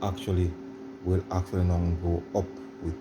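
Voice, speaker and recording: Deep-voiced man giving an informal tutorial. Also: level tone, normal speed, over music. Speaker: tutorial presenter. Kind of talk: informal how-to demonstration.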